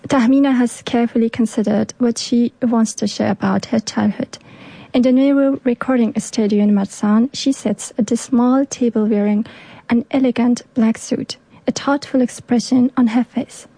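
A woman co-presenting a community radio show, reading a script in an even, careful way. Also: on the high side, moderate pace, gravelly, no room sound, poor audio. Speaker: radio host. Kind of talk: scripted radio narration, translating.

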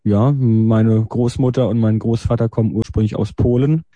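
A man's voice: on the low side, steady tone, normal speed, warm tone, no room sound, dull audio. A German man in his thirties, a guest in a radio interview, answering hesitantly and thinking aloud as he goes. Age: 30s.

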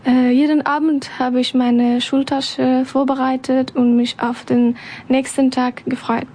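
A woman's voice: high voice, little pitch movement, measured pace, dark tone. A woman from Afghanistan giving a prepared account of her childhood in a small studio, careful and hesitant, with many fillers. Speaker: interviewee.

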